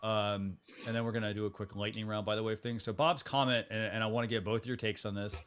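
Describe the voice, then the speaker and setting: A man's voice: fairly low pitch, steady tone, fast, a bit bright, smooth. A man hosting a casual panel discussion, talking in an informal, rambling way. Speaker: talk show host.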